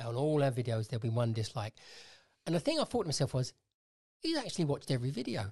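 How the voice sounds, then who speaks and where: A man with a London accent, very fast and somewhat breathy, with long, frequent pauses. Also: medium pitch for a man, ordinary pitch variation, quiet background. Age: 50s. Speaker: podcast host, knowledge school founder. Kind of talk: casual chat.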